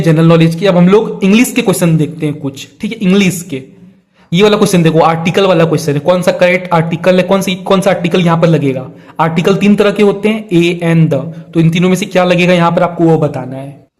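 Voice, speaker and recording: A man's voice: on the high side, a little mellow. A young man teaching an exam-prep lesson, explaining step by step, often checking in with fillers and putting questions to his students.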